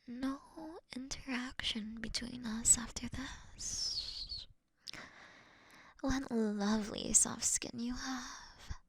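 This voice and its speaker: Woman doing a flirty predatory vampire queen, highish voice w some creak, slow n whispery, roleplay audio. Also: no room sound, exaggerated voice. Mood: seductive, intimate. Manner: breathy, often whispered, refined and unhurried. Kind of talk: intimate roleplay audio drama, ASMR-like.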